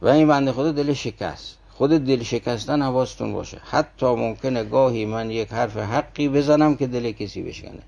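A man gives a didactic talk on a classical verse story, speaking at an ordinary middle pitch. He keeps turning to his listeners with direct appeals and rhetorical questions as he draws out the lesson. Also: creaky, hardly any pauses, a little mellow, highs cut off. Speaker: teacher of classical poetry.

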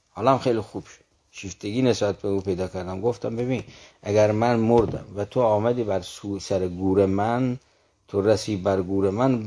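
A man explaining classical poetry in conversation, earnest and patient. He recites verse slowly and then unpacks each line. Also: fairly low pitch, darkish tone. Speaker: literature commentator.

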